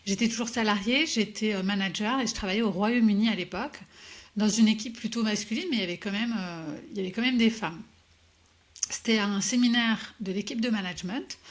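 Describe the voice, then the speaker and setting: A woman coach as an interview guest, telling her story hesitantly with many pauses and restarts. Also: mid-range voice. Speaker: executive coach, podcast guest. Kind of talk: conversational interview answers.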